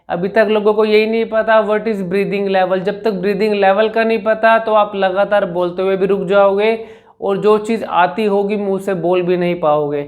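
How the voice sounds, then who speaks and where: A young Indian man with a Hindi accent teaching speech in a spoken lesson, drawing words out slowly to demonstrate vowels. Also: high-pitched. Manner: slow drawn-out demonstration of vowels, repeats "ठीक है ना". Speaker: speech coach.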